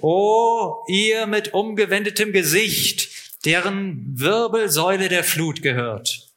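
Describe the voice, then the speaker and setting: This man works as a live interpreter and turns each phrase around quickly. His voice is bright and sits a little high. His delivery stays matter-of-fact, with occasional filler sounds.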